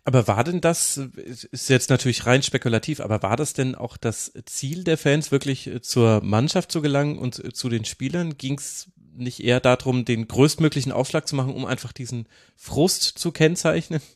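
A man's voice: mid-range voice, normal speed, few pauses, no room sound. Man asking questions in a dry studio. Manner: probing, speculative questions. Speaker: podcast host. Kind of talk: interview question.

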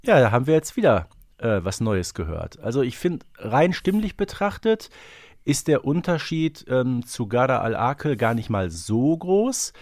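A man's voice: medium pitch, sing-song, moderate pace, darkish tone, no echo, studio quality. A man co-hosting a podcast in casual discussion, thinking aloud in a reflective, hesitant way. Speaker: podcast co-host. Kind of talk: casual discussion of an audio drama series.

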